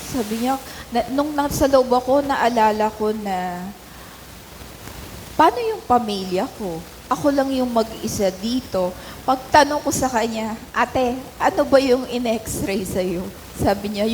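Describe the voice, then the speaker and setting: A middle-aged woman giving a personal testimony in a church hall, telling her story conversationally with halting fillers. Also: fairly high pitch. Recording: echoey hall with faint ambient noise.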